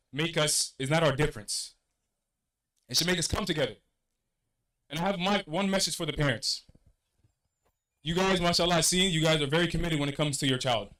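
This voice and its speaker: A man from Senegal speaks quickly in a somewhat high voice. He addresses a mosque congregation as youth director, sounding earnest and motivational, and repeats his key phrases for emphasis. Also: bright, forceful tone, poor audio. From Senegal, West Africa.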